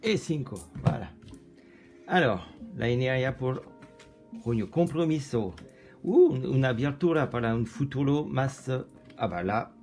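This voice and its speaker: A man with a French accent doing a casual tarot card reading, halting and searching for words, with many restarts and French filler words slipped in. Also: medium pitch, animated, darkish tone, faint music behind. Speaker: tarot reader.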